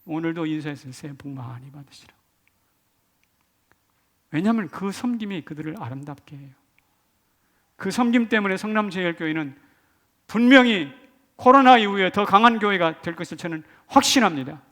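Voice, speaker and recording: A male senior pastor preaching a Sunday sermon in a church. He moves between hushed asides and shouted emphasis and acts out quoted voices. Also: sits high, animated, normal speed, pauses often. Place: church sanctuary.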